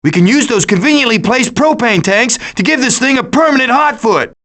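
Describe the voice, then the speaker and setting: A man voicing a cocky, scheming, wisecracking raccoon leader in an animated video game, with a glib, theatrical delivery. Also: very high-pitched, fairly quick. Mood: smooth, glib.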